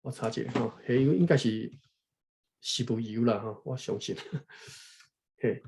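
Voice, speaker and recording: A man from Taiwan reading a history book aloud unscripted, thinking aloud, pausing to look up words and adding frequent tag particles. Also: mid-range voice, gravelly, a little mellow, slight background noise. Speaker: reader explaining a history book to viewers. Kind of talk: unscripted read-aloud with running commentary.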